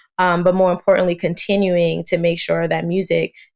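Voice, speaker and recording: A woman talks in a normal speaking voice at a fairly low pitch. Her pace is moderate, and the recording is very clean, with a silent background. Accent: American. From New York, Queens. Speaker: podcast host, civic engagement strategist. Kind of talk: interview.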